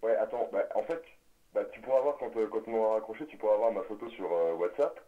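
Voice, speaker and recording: Un homme au téléphone pour un canular, au débit hésitant et un peu récité. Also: male voice, on the low side, quick pace, close to an everyday voice. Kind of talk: prank phone call recording. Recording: dull lo-fi audio.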